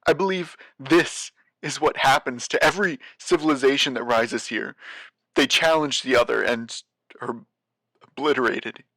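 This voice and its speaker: An actor playing a weary, haunted postmaster of a doomed city in an audio drama, speaking gravely and haltingly as he searches for words. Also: medium pitch, bright, forceful tone, dry recording, rough recording. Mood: grave, horrified. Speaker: guest voice actor. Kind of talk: audio drama monologue, recorded message.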